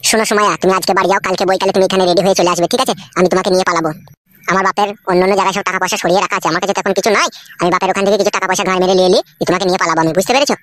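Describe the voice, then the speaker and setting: A woman's voice: mid-range voice, steady tone, racing, no echo, close to an everyday voice. A woman voicing a foul-mouthed, scheming young village husband in a cartoon comedy. He is crude and quarrelsome. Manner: crude, quarrelsome, wails when beaten.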